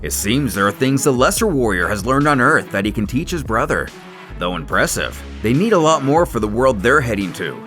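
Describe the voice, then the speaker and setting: A man's voice: mid-range voice, very animated, a little fast, a bit bright. A man narrating a scripted story in a dramatic, theatrical manner. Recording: music under the voice. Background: music.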